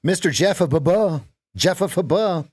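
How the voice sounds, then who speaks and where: A man's voice: high voice, moderate pace, a little mellow, breathy edge, no echo, clean studio sound. A man hosting a live day-trading stream, chatting with viewers and repeating phrases as he watches the market.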